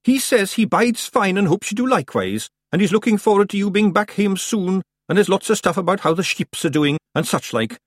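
A man's voice: sits high, animated, a little fast, hardly any pauses, dry recording, studio quality, voice pushed up. A man voicing a boastful, rambling little fairy clansman with a Scottish accent in a storybook. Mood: brisk. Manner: blustering, rambling, emphatic. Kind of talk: acted storybook dialogue.

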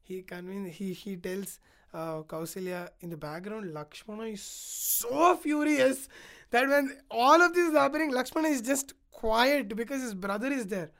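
A woman retells an ancient epic on a podcast, animated and emotional. Her voice sits fairly high for a woman. She talks casually and loosely, with many "like" fillers. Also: normal speed. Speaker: podcast storyteller. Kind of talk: casual storytelling chat.

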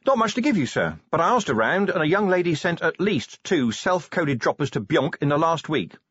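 A man narrator voices a nervous, deferential police constable in a fantasy audiobook. The voice is raised in pitch and slightly husky, hesitant but respectful. The sound is a little dull. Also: big pitch swings, a little fast, a bit bright, dry recording, heavily acted. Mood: nervous, reporting. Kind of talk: audiobook character voice.

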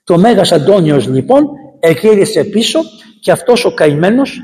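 A male priest giving a sermon, telling a saint's story as a lively storyteller with emphatic repetitions. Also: high-pitched. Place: church. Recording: echoey church with long reverb.

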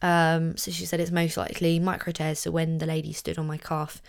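A young woman hosting her podcast, talking casually with a husky voice hoarse from shouting, telling a rambling story. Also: sits low, level tone, brisk. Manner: chatty, rambling storytelling with fillers. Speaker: podcast host. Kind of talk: casual solo podcast chat.

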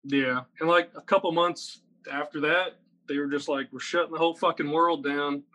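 Guest, male, 30s, from Virginia, slightly higher voice, energetic and rambling. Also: normal speed. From Virginia, USA. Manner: energetic, rambling, lots of "like" and "right?". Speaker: guest, metal guitarist. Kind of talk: casual interview chat.

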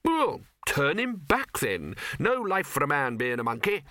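A man's voice: on the high side, very animated, unhurried, bright, forceful tone, dry recording, studio quality, voice pushed up, exaggerated voice. Guy doing a bossy old wizard boss, blunt n blustery, voice jumps way up, storybook style. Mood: indignant, firm. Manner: blunt, clipped, brusque, hectoring. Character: gruff, blustering, bossy old male wizard Arch-Chancellor. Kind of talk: comic fantasy storybook character voice.

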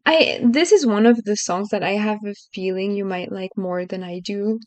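A woman's voice: medium pitch, normal speed, darkish tone, no room sound. A woman co-hosting a music podcast in casual chat, often hesitant and correcting herself, giggling between thoughts. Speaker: podcast co-host.

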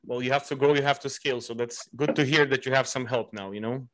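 A man's voice: medium pitch, fairly even intonation, fast. A man interviewing as a podcast host in an informal, encouraging, conversational way, often repeating himself.

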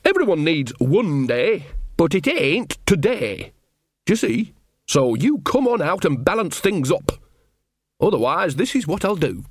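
A man puts on a shrewd old woman witch for a fantasy audiobook. The pitch is lifted well above a normal male register. She speaks in blunt, folksy, colloquial phrases, cheeky and unafraid. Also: sing-song, measured pace, husky, no room sound, studio quality, heavily acted. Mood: firm warning.

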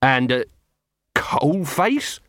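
A man's voice: medium pitch, sing-song, extremely slow, fairly bright tone, dry recording, heavily acted. Man playing a dry, weary watch captain. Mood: dry, puzzled.

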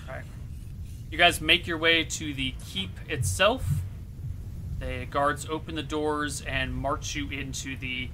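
A man narrating a tabletop game as game master in a casual, halting way. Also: a little high, fairly even intonation, sharp tone, a little hiss or hum. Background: music.

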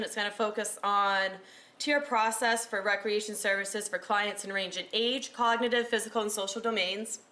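A woman in her thirties giving a casual talk as a recreational therapist, loud-voiced and chatty with lots of fillers. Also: a little high. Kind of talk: casual talk to a small audience. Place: room with a presentation screen.

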